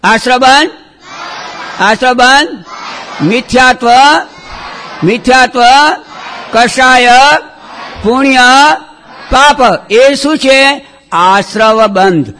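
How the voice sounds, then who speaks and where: A man teaching children a religious lesson, chanting terms loudly for them to repeat, then dropping to quick, quiet scolding. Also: very high-pitched, some chatter behind, a little hiss or hum. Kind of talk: call-and-response chanting lesson.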